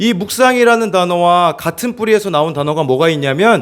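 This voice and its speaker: Recorded very cleanly against a silent background, a man with a high voice speaks with lively intonation. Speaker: associate pastor, guest preacher. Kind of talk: sermon. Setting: church revival meeting. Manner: speeds up when nervous.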